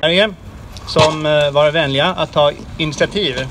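Noticeable background noise sits behind a man's fairly high-pitched voice. His intonation stays fairly even. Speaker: rally speaker. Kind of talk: public speech. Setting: outdoors. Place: street. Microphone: camera far.

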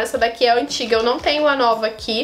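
This is a woman speaking. Her voice carries audible room echo. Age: 30s. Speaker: hair care youtuber and hairdresser; hair care youtuber. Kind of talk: beauty tutorial. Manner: casual, chatty. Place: home room. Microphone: camera far.

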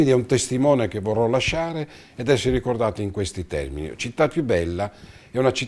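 Vocal fry runs through this man's medium-pitched voice, which has lively intonation. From Marche, Italy. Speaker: mayor; guest. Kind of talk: interview. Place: studio. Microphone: lapel.

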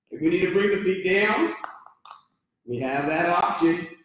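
Strong room echo surrounds a man with a high pitch. He talks at a fairly slow pace with ordinary pitch variation. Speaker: fitness instructor. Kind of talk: guided live workout, coaching through exercises. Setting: laptop camera, online video. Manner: animated, brisk, upbeat coaching cues; clear, encouraging, and instructive. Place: gym. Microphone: webcam.

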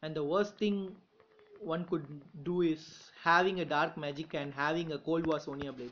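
Noticeable background noise sits behind a man speaking with an Indian accent. His pitch is fairly high and his pace is moderate. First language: not English. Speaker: mobile gaming YouTuber. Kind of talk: gameplay commentary. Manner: halting.

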